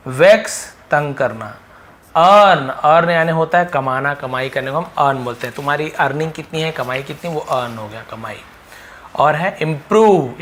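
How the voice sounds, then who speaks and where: A man teaching English words in a lesson, calling out each word loudly, then explaining its meaning more quietly. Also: a little high.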